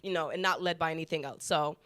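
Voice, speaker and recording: A woman in her late twenties, a podcast guest, calmly explaining her views at length in casual chat. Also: low-pitched, quick pace. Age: 20s.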